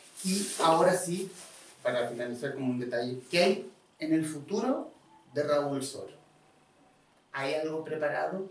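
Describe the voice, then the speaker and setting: Pausing long and often at a fairly slow pace, a man talks in a fairly high pitch with ordinary pitch variation, and the room echo is audible. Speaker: podcast host. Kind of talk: interview. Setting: live session with audience.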